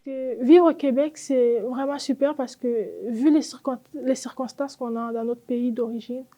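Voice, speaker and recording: A woman's voice: high-pitched, steady tone, normal speed, mellow. An eighteen-year-old woman from Congo giving an earnest, grateful documentary testimony. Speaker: interviewee.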